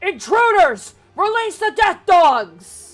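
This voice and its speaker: Shouting in a put-on character voice at an extremely high pitch, the speaker goes at a very slow pace while faint music plays in the background. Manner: yelling, commanding.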